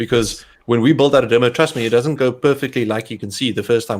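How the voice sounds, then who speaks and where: A man speaks at a very fast pace with a South African accent. His pitch is medium and his intonation fairly even. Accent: Afrikaans South African. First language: Afrikaans. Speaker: tech livestream co-host. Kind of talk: live coding stream chat.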